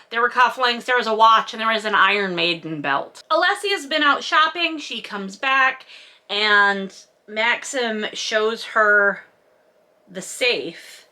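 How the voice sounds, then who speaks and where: A woman with a bright, forward voice at a middling pitch talks through a book as a casual recap host. Her delivery is wry and sarcastic, mixing conversational summary with dry comic commentary.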